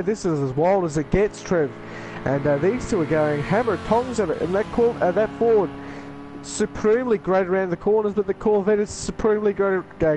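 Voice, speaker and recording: A man co-commentates a racing live stream, rambling through his analysis with plenty of fillers. His voice is high for a man. The recording has a constant noisy hiss behind it.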